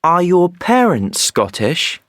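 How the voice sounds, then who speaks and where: A woman asking and reading scripted textbook lines slowly and clearly for learners. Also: on the low side, very animated, no room sound, studio quality. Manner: slow, lilting, clearly articulated speech. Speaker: textbook audio interviewer.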